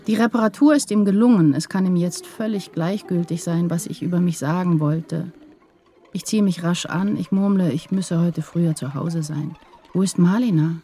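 An actress playing an anxious woman writer in love, speaking her intense inner thoughts and confessions in a measured literary radio drama. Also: fairly low pitch, warm tone, close to an everyday voice. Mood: brooding. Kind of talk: literary radio drama, first-person inner monologue and dialogue.

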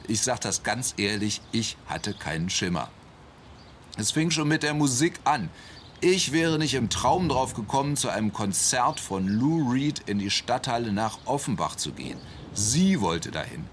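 A man's voice: medium pitch, sing-song, measured pace, slight background noise. An actor playing a plain-spoken man who candidly recalls his bewildering first rock concert as a teenager in a radio play. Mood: candid, bemused. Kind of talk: German radio play monologue. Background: music.

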